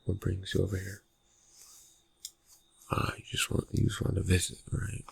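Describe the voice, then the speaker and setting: A man playing a reclusive, slyly menacing vampire friend in an ASMR roleplay, murmuring haltingly in a raspy, breathy voice with dry suspicion. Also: low voice, completely flat delivery, heavily acted. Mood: guarded, suspicious. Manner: hesitant, halting, laconic, dryly suspicious. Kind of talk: ASMR roleplay, soft-spoken character talk.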